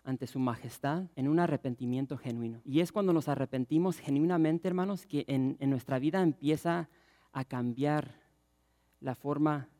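A man preaching a passionate sermon as pastor, reading scripture and acting out the crowd's shouts. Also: mid-range voice, normal speed.

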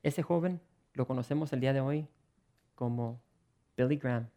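A man preaching a sermon in an earnest, animated way, repeating words and restarting phrases as he asks his listeners rhetorical questions. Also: medium pitch, normal speed. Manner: earnest and animated, with frequent word repetitions and restarts.

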